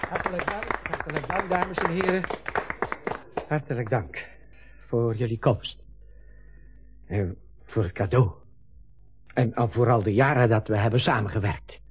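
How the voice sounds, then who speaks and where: A man's voice: medium pitch, measured pace, pauses often, natural voice. An actor playing a modest older railway engineer in a radio play, hesitant and self-deprecating in his talk. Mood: grateful. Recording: dull radio recording, music behind.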